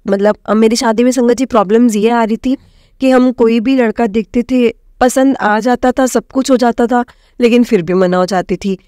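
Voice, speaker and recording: This young woman's voice sits a little high as she shares her testimony at a moderate pace, a devotee from Himachal Pradesh, India. Addressing the congregation warmly as "sangat ji," she mixes in English words; the studio-quality recording has no room sound.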